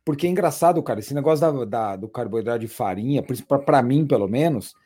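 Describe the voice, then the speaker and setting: A man talking in a relaxed, chatty way, repeating words for emphasis. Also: mid-range voice, quick pace, breathy edge. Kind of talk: casual chat.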